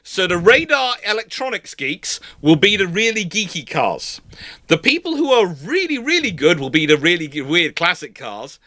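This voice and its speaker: Animated man hosting, bright high-pitched voice. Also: moderate pace, dry recording. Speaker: livestream host answering questions. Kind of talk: casual live Q&A chat.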